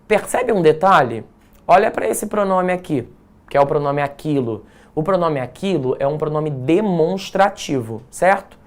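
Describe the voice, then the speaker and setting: A Brazilian man teaches grammar in a live online prep class. He explains patiently and keeps checking that students follow with quick tags like "right?" and "okay?". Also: on the high side. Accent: Brazilian Portuguese. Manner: explanatory, frequent check-ins like "certo?" and "tá?".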